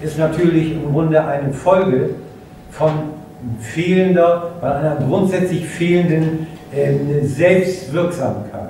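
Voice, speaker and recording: Speaking very slowly with a fairly high pitch and ordinary pitch variation, a man is heard over light background noise with audible room echo. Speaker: audience member. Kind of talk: audience question. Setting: event hall with microphone. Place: stage.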